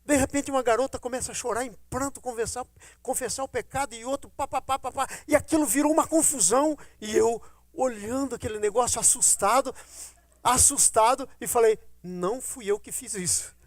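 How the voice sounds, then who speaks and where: A middle-aged pastor preaches a testimony with a notably high voice. He tells his story in a lively way, acting out his own remarks, and the sound is close and dry with no room echo. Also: brisk. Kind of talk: testimony sermon.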